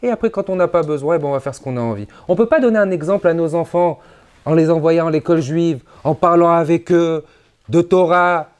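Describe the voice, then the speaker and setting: A rabbi gives a conference sermon in a brisk, smooth male voice, weaving Hebrew religious terms into his speech. His emphatic preaching features sudden rises and drops in pitch and loudness.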